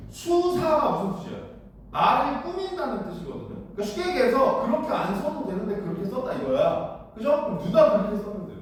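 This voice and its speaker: Guy teacher lecturing high schoolers, really high voice, keeps going "got it?", sounds far off from the mic. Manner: keeps checking understanding with rhetorical questions; blunt, casual, with mild slang. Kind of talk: classroom lecture. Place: lecture room. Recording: very echoey room, far from the mic, faint noise.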